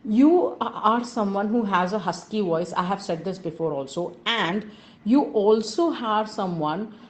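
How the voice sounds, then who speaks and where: Indian woman, speech evaluator, measured and structured, mid pitch. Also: lively intonation. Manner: measured, structured, emphatic on key points.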